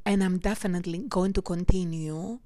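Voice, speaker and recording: A woman hosting a casual holiday podcast in English, which is not her first language, talking in a relaxed way with fillers and small laughs. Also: fairly low pitch, a little fast. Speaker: podcast host. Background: soft Christmas music.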